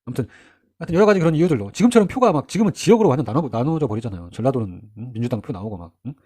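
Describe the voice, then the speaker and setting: Middle-aged male lecturer, mellow husky tone, brisk conversational exam-prep delivery. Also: medium pitch, big pitch swings. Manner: chatty, asks the listener rhetorical questions, acts out quoted figures. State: sore throat. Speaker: history lecturer.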